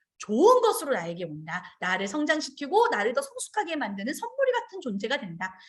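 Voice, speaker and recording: A woman is speaking at a moderate pace. Her pitch rises and falls very widely. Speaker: teacher trainer. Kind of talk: online training lecture. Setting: video call.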